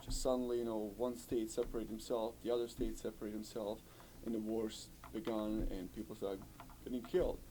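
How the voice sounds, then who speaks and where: A man from tells his story in an interview, speaking English. His voice sits somewhat low, and he talks fluently, filling his phrases with "you know." A faint hiss of room noise runs underneath. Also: flat delivery, brisk, warm tone. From former Yugoslavia. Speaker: refugee interviewee. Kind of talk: recorded interview testimony.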